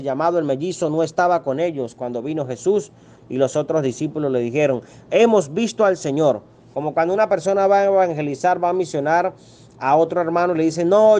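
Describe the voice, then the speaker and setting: A man's voice: fairly high pitch, warm tone. A middle-aged man, a Catholic priest, preaching a sermon with emphatic rhetorical questions and brief acted-out quotes.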